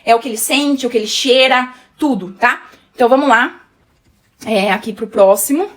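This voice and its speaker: Brazilian woman teaching sales to her viewers, high voice, keeps saying tá and gente. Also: moderate pace, fairly bright tone. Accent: Brazilian Portuguese. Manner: chatty, many fillers, addresses viewers as gente. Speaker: sales trainer. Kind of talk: casual teaching talk.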